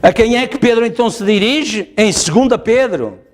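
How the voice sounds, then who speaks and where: Portuguese pastor guy preaching in church, high voice, keeps asking the crowd if they follow. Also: animated, normal speed. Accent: European Portuguese. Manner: emphatic, repeats phrases, asks the congregation "está a ver?". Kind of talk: sermon.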